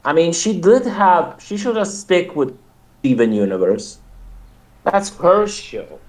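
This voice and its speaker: A man chatting casually on a call with an unhurried, halting delivery. He drags out his phrases and breaks into laughter between them. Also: high voice, big pitch swings, low-quality recording. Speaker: guest on a call. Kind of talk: casual chat.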